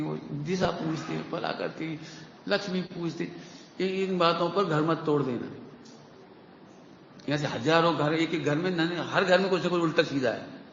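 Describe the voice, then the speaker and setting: A man giving a devotional sermon to a gathering, lively and questioning, repeating key phrases to his listeners. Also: a little high. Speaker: Jain preacher. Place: large hall with an audience. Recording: echoey hall, dull lo-fi sound, faint hiss.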